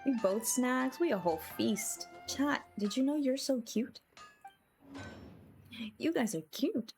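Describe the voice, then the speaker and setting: Slow, playful woman streamer. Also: sits high, expressive, vocal fry, a little mellow. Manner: playful, giggly, chats with viewers. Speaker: game streamer. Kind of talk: casual live-stream chat. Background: faint game music.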